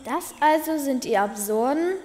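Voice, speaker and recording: A woman's voice: sits high, expressive, unhurried, darkish tone. A female performer playing a spoiled eight-year-old princess in an audio drama, blunt, nosy and childlike. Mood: cheeky. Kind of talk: German audio drama acting. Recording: reverberant hall.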